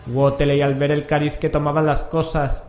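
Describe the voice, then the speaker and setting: A man's voice: fairly high pitch, flat delivery, moderate pace, a little mellow. A man narrating a scripted horror story in a solemn, dramatic manner. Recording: echoing, music underneath.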